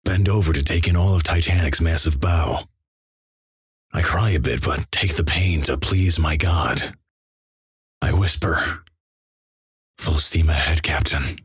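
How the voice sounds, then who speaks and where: A man reads internet stories in a deadpan, flat way. His voice is extremely deep and husky. The sound is close and dry, with no room around it. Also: measured pace, pauses often, no echo. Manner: deadpan, flat delivery of crude jokes.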